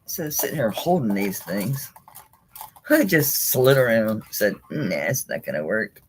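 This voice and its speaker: Slow, lively-voiced woman selling jewelry. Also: extremely low pitch, slight background noise, low-quality recording. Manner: chatty, laughs often, talks to herself while handling items. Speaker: online jewelry seller. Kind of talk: casual live auction chat.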